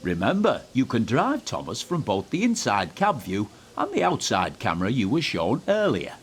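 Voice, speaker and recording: A man's voice: mid-range voice, huge pitch swings, normal speed. A man playing an encouraging, instructive narrator in a scripted children's train game tutorial. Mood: instructive, calm. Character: encouraging male tutorial narrator guiding young train drivers.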